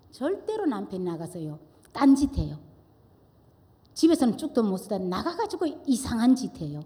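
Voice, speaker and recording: A middle-aged woman preaching a testimony sermon, telling her story with big swings from hushed to loud. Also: medium pitch. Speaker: guest preacher. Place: church sanctuary. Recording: echoey church hall.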